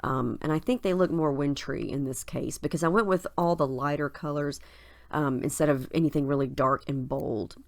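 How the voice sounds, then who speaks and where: A woman's voice: low-pitched, moderate pace, creaky, no room sound. A woman with a head cold, sounding scratchy and nasal, chatting casually as she narrates her scrapbooking process. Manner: chatty, relaxed, thinking aloud with fillers. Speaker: craft video host.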